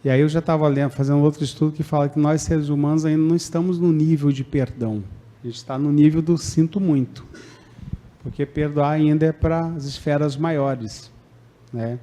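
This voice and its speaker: Brazilian male lecturer in his thirties, conversational sermon style, slightly high, mellow tone. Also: steady tone, brisk. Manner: conversational, acts out quoted lines, frequent "né?" tags. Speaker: spiritist lecturer. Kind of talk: public talk on forgiveness. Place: spiritist centre lecture hall.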